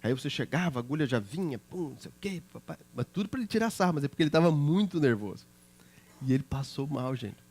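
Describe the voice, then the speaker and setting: A man's voice: medium pitch, expressive, fast talker, a little mellow. A middle-aged man, a pastor preaching a sermon through chatty personal stories and often checking in with his listeners.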